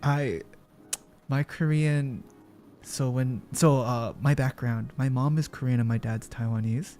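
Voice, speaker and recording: A man hosting a casual stream, chatting in an animated way and laughing often. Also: mid-range voice, measured pace, slight background noise. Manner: animated, laughs often, usually shouts into mic. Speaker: streamer host. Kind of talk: casual chat while crocheting.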